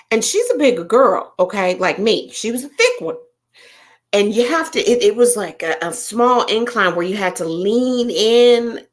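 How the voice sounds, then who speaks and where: Southern woman hosting a chatty livestream, expressive delivery with a wide pitch range, animated storyteller. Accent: Southern American. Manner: animated storyteller, talks straight to viewers, frequent fillers. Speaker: livestream host chatting with viewers. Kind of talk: casual chat.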